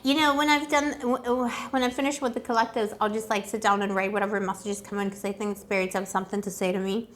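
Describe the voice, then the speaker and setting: A woman's voice: medium pitch, steady tone, fast talker, hardly any pauses, a little hiss or hum. A woman chatting casually through a love tarot reading as host, playful and rambling with affectionate pet names, her voice slightly strained as if she is losing it. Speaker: tarot reader and channel host.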